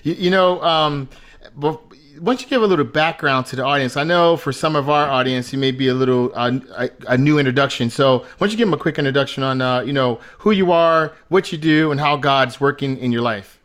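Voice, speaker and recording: A man's voice: medium pitch, brisk, fairly bright tone. A man hosting a Christian talk show, introducing his guest with upbeat, hype-man energy. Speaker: show host.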